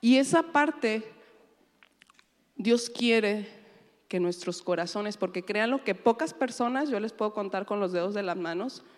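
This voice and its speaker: A woman's voice: medium pitch, lively intonation, a little slow. Woman pastor preaching in a reverberant hall. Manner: conversational preaching with rhetorical questions. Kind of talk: sermon. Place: church.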